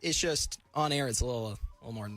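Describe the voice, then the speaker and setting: A man's voice: medium pitch, quick pace, fairly bright tone, no echo. Shy, hesitant young man on air. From Arizona, United States. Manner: shy, hesitant, short answers. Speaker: radio show guest. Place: radio studio.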